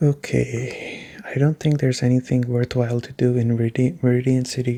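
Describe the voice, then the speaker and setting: The speaker is soft-spoken. The pace is moderate. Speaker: ASMR gaming streamer. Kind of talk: gameplay commentary.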